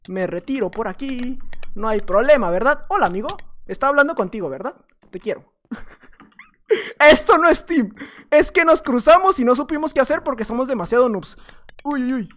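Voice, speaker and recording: Playful and full of jokes, this man with a Mexican accent narrates his gameplay for YouTube. His volume lurches from low mumbling to loud bursts of excitement.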